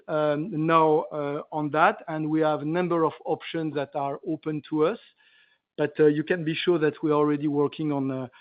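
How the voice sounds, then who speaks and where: A male company executive answering analysts on an earnings call in a halting, emphatic way, repeating phrases for stress. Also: on the high side, no room sound. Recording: narrow tinny phone line.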